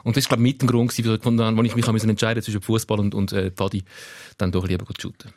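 A man's voice: on the low side, very fast, no echo, studio quality. A man with a Swiss German accent hosting a casual podcast, asking questions and sharing anecdotes. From Switzerland. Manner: relaxed, asks questions and tells anecdotes. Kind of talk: casual chat.

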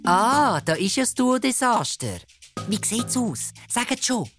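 A woman voicing a prim, nosy schoolgirl who scolds the boys in a sharp way. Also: on the low side, sing-song, moderate pace, over music, pitched above the performer's own voice. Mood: scolding.

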